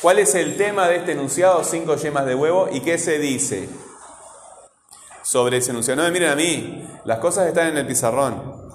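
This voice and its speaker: Male teacher, fairly high voice, classroom lesson, quizzes pupils, echoey room, long reverb. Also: normal speed, slight background noise. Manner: quizzes pupils, tags lines with a questioning "right?".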